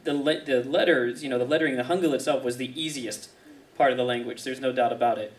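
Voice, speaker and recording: A man's voice: medium pitch, fairly even intonation, fast talker, far from the mic. Friendly young male radio co-host. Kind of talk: live radio hosting. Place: radio studio stage with audience. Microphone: handheld mic.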